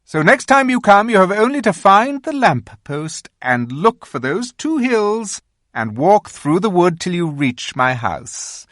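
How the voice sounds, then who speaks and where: Picture a scheming witch queen from a storybook, as a reader puts her on, pitched well above the reader's own voice and pushing loud. She coaxes sweetly, then commands, slow and deliberate over a very dry, close sound. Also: very animated, no echo. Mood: coaxing. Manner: coaxing, commanding. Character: imperious cunning female queen, a wicked witch. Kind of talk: audiobook reading.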